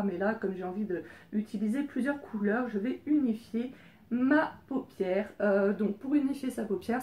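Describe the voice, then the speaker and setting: A woman giving a casual makeup tutorial as a beauty vlogger, chatty and hesitant, with many filler pauses. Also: mid-range voice, mellow. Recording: roomy echo.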